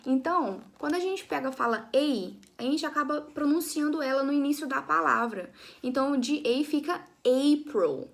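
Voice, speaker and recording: A woman's voice: high voice, a little fast, creaky, a bit bright. A young woman teaching an English lesson to her students, chatty, often checking in with her class and restarting her sentences.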